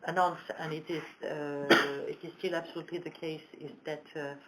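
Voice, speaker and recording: A woman executive answering questions on a financial conference call, halting and hesitant with frequent pauses. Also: low voice, level tone, background noise. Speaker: company executive.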